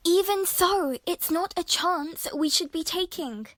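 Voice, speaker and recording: Woman as an anxious, high-pitched twin sister. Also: unhurried, fairly bright tone, no room sound. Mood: wary. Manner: worried, insistent. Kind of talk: audio drama acting.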